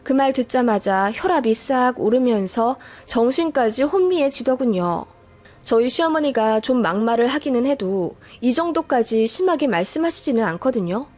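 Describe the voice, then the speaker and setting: A woman's voice: on the high side, expressive, normal speed, a little mellow. A woman narrating a first-person family story in an emotional, confessional way.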